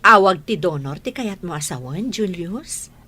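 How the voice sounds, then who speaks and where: A woman's voice: on the low side, expressive, a little slow, sharp tone, slightly rough, full character voice. A woman voicing a loving mother in an audio drama, speaking patiently and tenderly.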